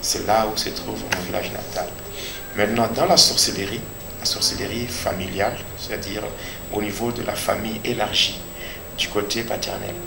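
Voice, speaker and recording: Low gravelly Congolese man, echoey noisy recording. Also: steady tone. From Democratic Republic of the Congo. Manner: deliberate, repeats phrases for emphasis. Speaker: pastor giving testimony. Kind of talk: personal religious testimony in an interview. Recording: echoey room with clear background noise.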